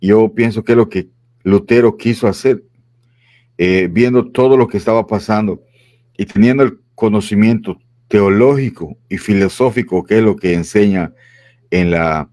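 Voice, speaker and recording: A man speaking as a panelist in a discussion, reflective, pausing with fillers. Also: on the low side, darkish tone, dry recording.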